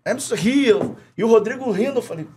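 A middle-aged man from Rio de Janeiro with a Carioca accent, telling animated anecdotes full of slang, swearing and laughter as a podcast guest. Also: extremely high pitch, fast talker, a little hiss or hum. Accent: Carioca Portuguese. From Rio de Janeiro, Brazil. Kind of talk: casual chat, storytelling. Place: podcast studio.

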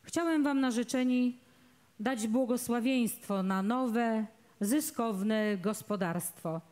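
A woman's voice: fairly high pitch, slow, a little mellow. A woman voicing a furious young man who speaks with bitter defiance.

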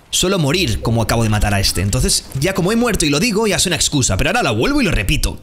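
A young man with a Spain Spanish accent, giving excitable live commentary over his own gameplay, muttering one moment and shouting the next. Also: medium pitch, background noise. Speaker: gaming streamer.

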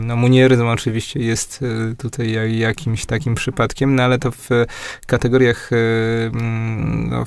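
Hesitant Polish man explaining slowly. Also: medium pitch. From Poland. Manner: many fillers and restarts, measured. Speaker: guest historian.

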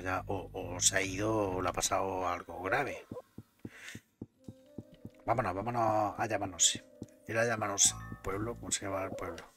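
Man, lowish voice, chatty gameplay commentary with faint game music. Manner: chatty, swears, talks to himself.

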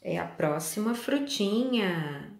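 A Brazilian woman teaching a preschool class, speaking gently and singing children's songs in a drawn-out, sing-song way. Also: mid-range voice, animated, vocal fry. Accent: Brazilian Portuguese. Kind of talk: slow, sing-song lesson for small children. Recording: echoey room.

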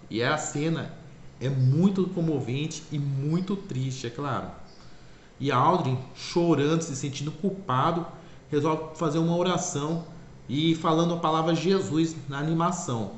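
A man casually retelling a cartoon's plot in a rambling way, often correcting himself. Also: on the high side. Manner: rambling, self-correcting, repeats "é claro". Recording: echoey room, faint ambient noise.

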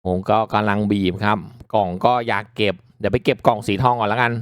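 A man giving casual, reactive commentary as he hosts a mobile game playthrough, chatting politely to viewers with excitable exclamations. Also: lowish voice, quick pace, no echo, studio quality. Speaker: gaming video host.

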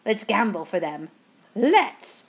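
A woman's voice: medium pitch, very animated, slow pace. A woman voicing greedy, quarrelsome ghost sisters in a storybook, bickering and exclaiming shrilly. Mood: greedy squabbling.

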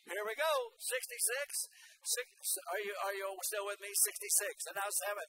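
A man's voice: high-pitched, wildly swooping pitch, normal speed. An older man works as a livestock auctioneer, folksy and rhythmic in his announcements and chanting. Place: indoor livestock show arena. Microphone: microphone at auction stand. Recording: clear background arena noise.

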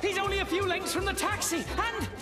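Cartoon racing commentator, high-pitched and rapturous, loud music under the call. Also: male voice, a little fast. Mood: excited. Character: excitable male horse-race commentator.

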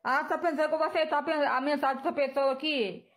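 Brash, high-voiced woman. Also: fairly even intonation. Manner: blunt, crude, quick to shout. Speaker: social media personality. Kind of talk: livestream rant at commenters.

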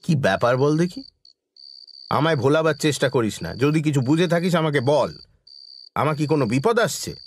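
Worried, plain-spoken village friend. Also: male voice, fairly high pitch, animated, moderate pace, pauses often, a little hiss or hum. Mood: anxious, questioning. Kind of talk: horror audio drama acting.

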